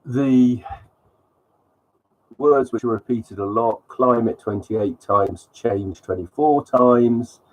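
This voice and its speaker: A man's voice: medium pitch, takes it slowly, highs cut off. A man with a cold, sounding sniffly, hosting a live stream and talking through slides in a rambling way with many ums. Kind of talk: casual live commentary on slides.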